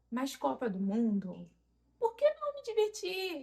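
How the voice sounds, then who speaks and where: Her voice is somewhat breathy. The woman talks at a very slow pace. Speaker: lifestyle and organization youtuber. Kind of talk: vlog monologue.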